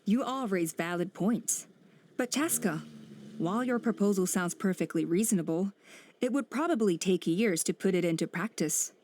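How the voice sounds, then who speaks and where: An actress playing a female tribal elder who speaks calmly and deliberately, weighing each point. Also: mid-range voice, a little hiss or hum, close to an everyday voice. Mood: measured. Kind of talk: video game cutscene dialogue.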